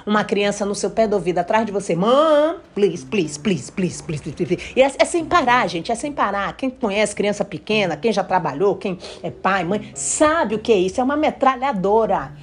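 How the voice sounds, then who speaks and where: A woman telling a personal story in a lively, chatty way, speaking straight to her listeners. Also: medium pitch, a little fast, few pauses. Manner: animated, addresses listeners directly.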